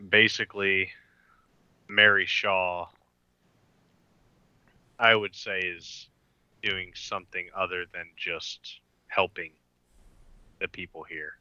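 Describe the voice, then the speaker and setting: A man voicing an eleven-hundred-year-old vampire, measured and thinking aloud. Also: low-pitched, flat delivery, sharp tone, no echo, dull audio, heavily acted. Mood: wary. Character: ancient male vampire, eleven hundred years old, calculating.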